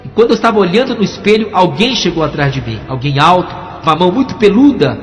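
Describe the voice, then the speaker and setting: Dramatic pastor giving testimony. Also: male voice, high voice, very animated, fast talker. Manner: dramatic storytelling, shifting between hushed and emphatic. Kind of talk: preached testimony. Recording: echoey, dull, music underneath.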